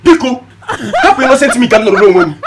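A man's voice: extremely high pitch, sing-song, fast, noisy background. A man with a Nigerian Igbo accent playing an exasperated, mocking grown son in a comedy film, sarcastic and repetitive, switching between English and Igbo.

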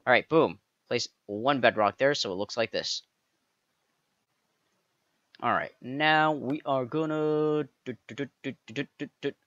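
A man narrating a step-by-step game building tutorial, counting blocks aloud with playful jokey asides and a slightly raspy voice. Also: medium pitch, measured pace, a bit bright, dry recording, muffled recording. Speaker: pixel art tutorial creator.

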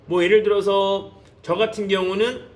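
A man from South Korea teaching a beginner English lesson, repeating example phrases slowly for learners to copy. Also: high-pitched, flat delivery.

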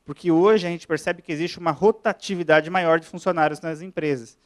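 A man from Brazil, a lawyer giving a classroom lecture, talking fast and chatty and checking in with his audience. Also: on the high side, fairly even intonation. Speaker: lawyer lecturing on pension law.

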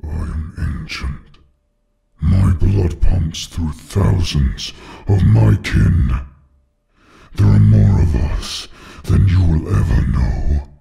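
A man voicing an ancient, menacing dragon, speaking slowly and gravely through a pitched-down, bass-heavy reverb filter. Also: lively intonation, dark tone, full character voice. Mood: solemn menace. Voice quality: deep, rumbling. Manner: slow, grave, portentous. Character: ancient, menacing, solemn giant male dragon. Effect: pitched-down, bass-boosted reverb monster filter.

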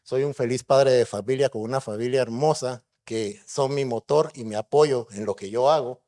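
Man, middle-aged, neurosurgeon, conference lecture, warm low-toned voice, conversational, rhetorical questions. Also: normal speed. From Guatemala. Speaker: neurosurgeon giving a conference talk.

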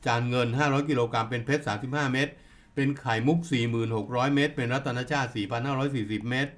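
A man talks through a story on a podcast with animated delivery, pausing to read out long figures one at a time. His pitch sits in an ordinary middle range. His speech is relaxed and conversational, recorded on a studio microphone. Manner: animated, lists figures and numbers slowly. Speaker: podcast discussant. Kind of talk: casual storytelling chat.

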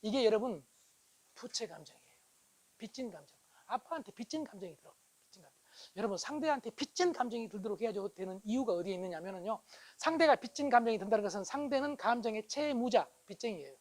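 Brisk, high-voiced middle-aged male lecturer who often asks the audience to agree. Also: expressive, poor audio. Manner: asks the audience for agreement, swings from loud bursts to hushed asides. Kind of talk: animated public lecture. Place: lecture hall.

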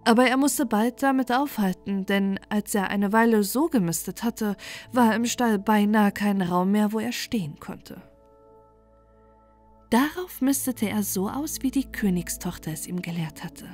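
A woman reads a fairy tale aloud for falling asleep, calm and soothing at a middling pitch. Her delivery stays even and gentle throughout. Soft music sits faintly underneath. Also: a little slow. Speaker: storyteller. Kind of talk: bedtime fairy-tale narration.

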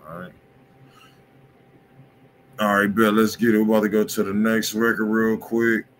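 A man with a fairly low voice talks loosely and casually as he reviews tracks on a livestream, peppering his talk with slang and quick check-ins. He sits at a desk in a home studio room. A faint hiss of room noise sits under his voice. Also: level tone. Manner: laid-back slangy talk, keeps asking "you feel me". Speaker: music review show host.

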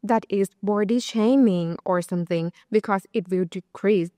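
A young woman hosting a podcast in a measured, slightly formal way. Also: medium pitch, dark tone, dry recording, studio quality. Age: young adult. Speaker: podcast host.

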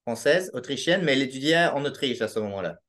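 A young Belgian man with a Belgian French accent, chatting as a podcast guest. He talks in a casual, halting way, with frequent fillers and restarts. His voice comes through a laptop mic in a small room at home. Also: mid-range voice, expressive, fairly bright tone. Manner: hesitant, with many restarts and fillers. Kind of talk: casual interview over video call. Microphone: laptop webcam mic on a video call.

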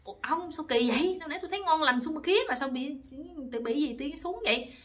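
A woman's voice: fairly quick, a bit bright, slight background noise, natural voice. A woman voicing an exasperated older wife who scolds her husband. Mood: indignant. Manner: shrill, scolding complaints.

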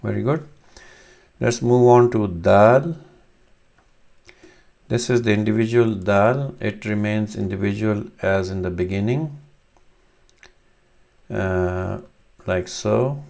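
A man in his thirties, a native Urdu speaker, walks through a reading lesson at a very slow, halting pace, full of pauses and fillers. His voice sits on the low side with a gravelly edge of vocal fry. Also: a little mellow. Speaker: teacher. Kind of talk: screen-recorded reading lesson.

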